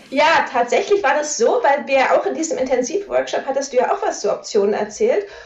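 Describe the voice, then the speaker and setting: A woman's high pitch in very wide swings, fairly quick pace, hardly any pauses, with noticeable background noise. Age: 40s. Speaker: orthodontist and private investor. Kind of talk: interview about personal investing journey. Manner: animated, with frequent filler sounds.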